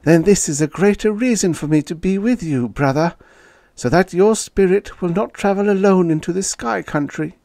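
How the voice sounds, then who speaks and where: Male reader as young tribal sister, devoted, pleading, raised pitch, formal wording, dry audiobook sound. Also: normal speed, vocal fry, warm tone, dry recording.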